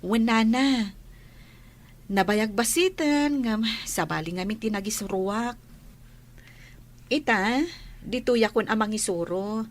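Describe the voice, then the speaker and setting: A woman with an Ilocano Filipino accent playing a polite, gentle young schoolteacher in a radio drama. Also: fairly high pitch, takes it slowly, pauses often.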